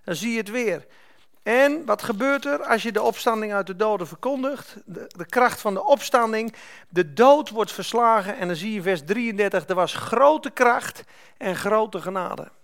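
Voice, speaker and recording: A man with an unusually high-pitched voice delivers a sermon. He tells the scripture as a story, and his delivery grows emphatic and fervent, climbing to loud peaks. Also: expressive, normal speed, creaky. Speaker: preacher.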